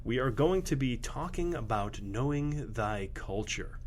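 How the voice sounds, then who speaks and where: A male podcast host chatting casually, with a lively, swinging voice. He teases and jokes freely, with easy laughter. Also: mid-range voice, unhurried, slight background noise. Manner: jokey, teasing, laughs often.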